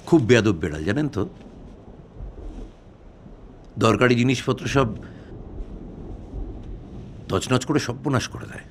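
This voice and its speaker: An actor playing an eerie middle-aged man who keeps a cat, soft-spoken and creepy, slipping into whispers. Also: medium pitch, lively intonation, normal speed, slight background noise, close to an everyday voice. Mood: eerie friendly. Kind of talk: film dialogue.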